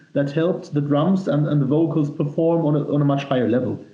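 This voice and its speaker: A man's fairly high-pitched voice at a very fast pace, with audible room echo. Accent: German. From Germany, strong dialect region. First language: German. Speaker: heavy metal singer. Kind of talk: phone interview. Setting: phone call.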